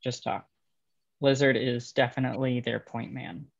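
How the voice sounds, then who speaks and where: A man's voice: mid-range voice, moderate pace, gravelly. A man reading the part of a guarded, terse informant in a drama table read. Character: guarded, reluctant young informant among coal miners. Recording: dull, lo-fi.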